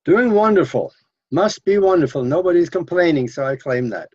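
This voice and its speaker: A man's voice: a little high, animated, moderate pace, a little mellow, no echo. Older Norway-born male guest, rambling with hesitations, dry and somewhat muffled audio. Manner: rambling, many fillers and restarts. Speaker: interview guest. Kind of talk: casual interview storytelling.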